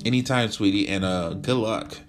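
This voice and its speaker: A man voicing Jeremy, a flamboyant gay man who teases and scolds his friend in a high camp lilt. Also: moderate pace, over music, close to an everyday voice. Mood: sly. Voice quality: high camp lilt, calls people sweetie. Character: flamboyant gay male friend, teasing and blunt.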